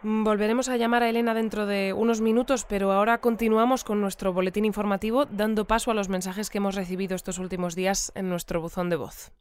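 An actress playing a courteous, sympathetic radio news presenter in an audio drama, with a Castilian Spanish accent and a conversational manner. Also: female voice, medium pitch, flat delivery, fast talker, hardly any pauses, natural voice. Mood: courteous, brisk. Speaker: news bulletin host. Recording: clear background noise and ambience.

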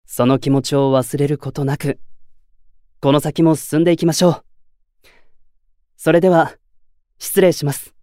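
A man's voice: fairly high pitch, steady tone, dark tone, no echo, natural voice. Polite, composed young idol leader played by a man. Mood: composed, earnest. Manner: polite, measured formal announcing. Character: earnest, composed young male station-staff idol leader. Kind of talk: Japanese audio drama acting.

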